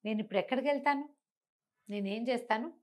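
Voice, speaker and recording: A woman's voice: a little high, fast, close to an everyday voice. Woman playing a despairing young widowed princess.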